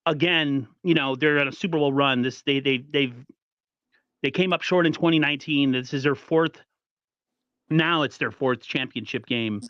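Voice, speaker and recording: A man hosting a casual sports podcast, talking in an animated, rambling way with frequent restarts. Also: medium pitch, clean tone, dry recording, lo-fi sound. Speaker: podcast host.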